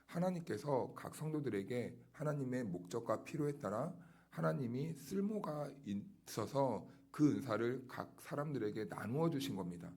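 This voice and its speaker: A man's voice: medium pitch, mellow. A male pastor giving an early-morning sermon, explaining scripture in a conversational way and asking pointed rhetorical questions. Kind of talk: dawn service sermon.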